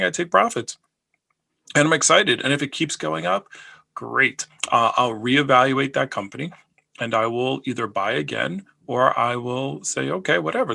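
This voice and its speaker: A man talks casually to his viewers, circling back on his points and filling the gaps with "uh". His voice is gravelly and has a bright, forceful edge, pitched at an ordinary middle height. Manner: rambling, repeats himself, many fillers. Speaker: personal finance video host. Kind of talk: casual talk to camera.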